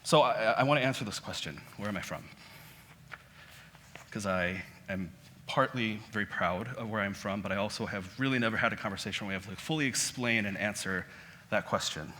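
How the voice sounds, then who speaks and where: Korean-born man, 30s, guest lecturer, casual and rambling, bright tone, long hall reverb. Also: lowish voice, a little fast, slight background noise. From South Korea. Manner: conversational, self-deprecating, many restarts. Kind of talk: public lecture. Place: auditorium.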